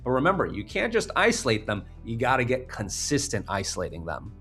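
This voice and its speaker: A man's voice: mid-range voice, huge pitch swings, a little fast, fairly bright tone, husky, faint music behind. A man giving an instructional tutorial as a vocal coach, explaining emphatically step by step.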